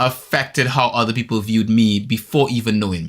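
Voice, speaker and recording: A man with a Jamaican accent and a bright, sharp tone is heard on a very clean recording with a silent background. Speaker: anime podcast co-host. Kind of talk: casual chat. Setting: live stream.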